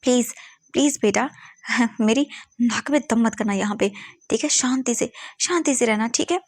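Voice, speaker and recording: A woman voicing a weary, strict older father who scolds and complains, in her own gravelly voice. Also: fairly high pitch, moderate pace, no echo, clean studio sound. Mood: exasperated.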